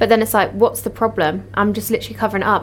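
Noticeable background noise is present. Over it, a female speaker goes at a very fast pace. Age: 20s. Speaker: podcaster. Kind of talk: casual chat. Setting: studio.

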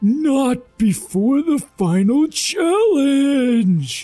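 In a put-on character voice, someone speaks at a very slow pace, loud and booming, with faint music in the background. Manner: threatening, commanding.

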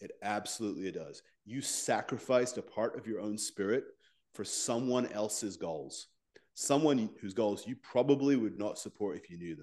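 His tone is dark and mellow, at a medium pitch, with ordinary pitch variation. The man keeps a moderate pace, and his loudness swings widely. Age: 40s. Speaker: men's mindset coach. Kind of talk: casual chat.

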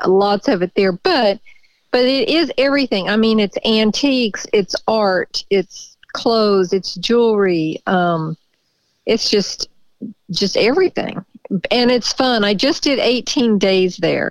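A woman's fairly high voice in a Texan accent, very slow and lively in intonation, with very even loudness and a dry, close sound with no echo. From Texas Hill Country, Kerrville. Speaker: painter. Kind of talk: interview. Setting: remote interview from home.

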